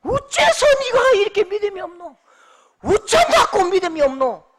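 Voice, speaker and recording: A man voicing Jesus as a man speaking loudly in a dialect. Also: very animated, moderate pace, a little hiss or hum. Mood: rebuking. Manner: loud, exclamatory, high-pitched.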